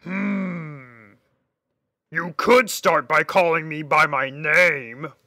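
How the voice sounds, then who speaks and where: Casting: male reader as surly talking shark in a comic story, very sharp and gravelly, slow, blunt delivery. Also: a little high, fairly even intonation, no room sound, clean studio sound, voice pushed up, exaggerated voice. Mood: grudging. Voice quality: gravelly, forceful. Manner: blunt, aggrieved. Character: grumpy, indignant male river shark, menacing.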